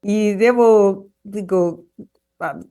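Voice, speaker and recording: A woman from Argentina speaking Portuguese, giving an earnest address to a public hearing over a remote link, halting with frequent restarts and fillers. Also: medium pitch, mellow, poor audio. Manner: passionate, earnest.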